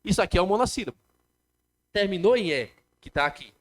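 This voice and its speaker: A man's voice: high-pitched, expressive, quick pace. A man with a Brazilian Portuguese accent teaching a live classroom lecture, explaining step by step and asking the class questions. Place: classroom with students.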